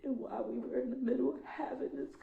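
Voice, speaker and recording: A woman's voice: high-pitched, steady tone, fast, creaky, narrow, tinny audio. A middle-aged woman, a victim's mother, giving a raw, emotional impact statement in a courtroom and speaking straight to the defendant. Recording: echoey courtroom from far off.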